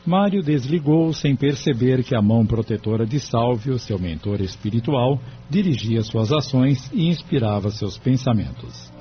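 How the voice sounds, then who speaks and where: A man narrating a spiritist radio drama in a measured, solemn reading. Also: mid-range voice, expressive, slight background noise. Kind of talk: scripted audiobook narration. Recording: dull lo-fi radio recording. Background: music.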